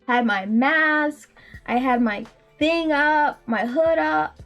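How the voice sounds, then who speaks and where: A woman in her late twenties with a very high, small voice, telling a story in a casual chat full of laughs and fillers. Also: slow pace, lo-fi sound, faint music behind. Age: late 20s. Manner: animated, laughs often, frequent likes and ums. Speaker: indie game developer and streamer.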